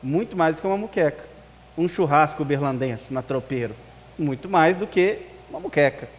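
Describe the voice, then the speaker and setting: A man's voice: a little high, expressive, moderate pace. A male pastor with a Minas Gerais Brazilian accent, preaching to a congregation in a conversational manner. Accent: Minas Gerais Brazilian Portuguese. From Espírito Santo, Brazil. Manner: conversational, rhetorical questions, tag "né". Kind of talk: sermon to a congregation. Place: church service, amplified hall. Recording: reverberant hall.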